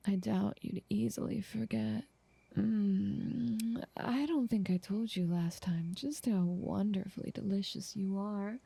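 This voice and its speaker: A woman playing a doting, possessive noble vampire in an ASMR roleplay, speaking softly and coaxingly in genteel words, often slipping into a whisper, close to the mic. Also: medium pitch, vocal fry, husky, dry recording, exaggerated voice. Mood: tender, inviting, then savoring, hungry. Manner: slow, soothing, coaxing, genteel wording. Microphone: close, dry microphone.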